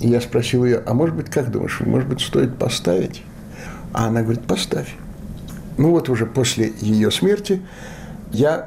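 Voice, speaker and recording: The intonation is lively. A man delivers it at a moderate pace. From Soviet Union, born in Chernivtsi, Western Ukraine. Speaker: theatre director. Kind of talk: interview. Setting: his apartment, recorded on location.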